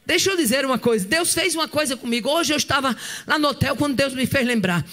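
A woman preacher, telling a story in a fervent sermon that breaks into shouts. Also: high voice, expressive, quick pace. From Northeast Brazil. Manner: shouting bursts and tongues, fervent.

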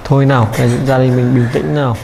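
A gravelly-voiced man talks gently and a little hesitantly, often repeating his words. He interviews a family as a vlogger and speaks to his viewers at home. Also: mid-range voice, flat delivery, fast talker, background noise.

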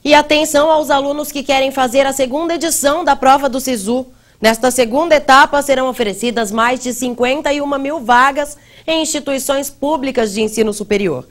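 A woman's voice: high-pitched, brisk, hardly any pauses, no echo. A young woman presenting a read news bulletin in a TV studio on a lapel mic. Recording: faint music bed.

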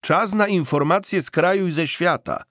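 A man's voice: high voice, moderate pace, fairly bright tone, dry recording, studio quality, pitched above the performer's own voice. A man voicing a male radio news presenter, reading formally and emphatically as in an audiobook. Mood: urgent, formal.

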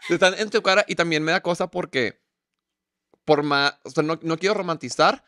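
A young man hosting a casual podcast, joking in slangy, rapid interjections. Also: on the high side, pushed and bright, no room sound, clean studio sound. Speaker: podcast host.

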